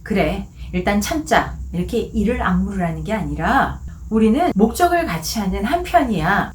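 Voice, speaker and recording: A woman hosting a book channel, giving a calm, clearly articulated talk on conversation tips from her office. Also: fairly high pitch. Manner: calm, clearly articulated, acts out short quoted lines. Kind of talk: scripted explanatory talk.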